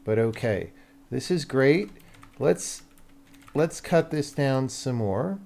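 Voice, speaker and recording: A man's voice: medium pitch, animated, slow, vocal fry, darkish tone, faint music behind. A man live streaming as he programs a game, thinking aloud casually in short fragments, blunt and sardonic, with casual swearing. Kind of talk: casual off-the-cuff coding commentary.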